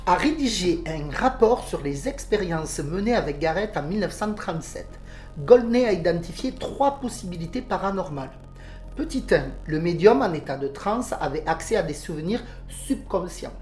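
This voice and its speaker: A woman's voice: fairly low pitch, lively intonation, normal speed, a little mellow, soft background music. A woman with a southern French accent, co-hosting a podcast and reading out a report, hesitating with fillers when she talks freely. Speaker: podcast co-host. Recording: roomy home podcast recording.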